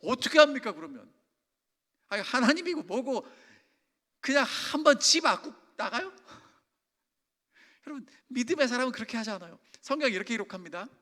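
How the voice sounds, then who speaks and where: A man's voice: very high voice, very animated, a little fast, long pauses, sharp tone. A man preaching a sermon as senior pastor, speaking emphatically and putting questions to his congregation. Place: church sanctuary. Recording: long church reverb.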